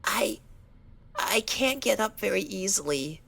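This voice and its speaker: A woman's voice: medium pitch, expressive, measured pace, gravelly, fairly bright tone, husky, exaggerated voice. A woman voicing a timid, injured young female pony in a dramatized story reading, hesitant and meek, with anxious pleading. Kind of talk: dramatized fan fiction reading.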